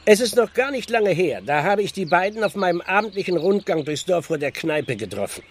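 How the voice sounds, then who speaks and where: A stubborn village constable in a radio drama. His fairly high male voice is husky and swings widely in pitch. He is officious, with a streak of dry irony. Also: animated, fairly quick. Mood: suspicious. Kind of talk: German radio play acting.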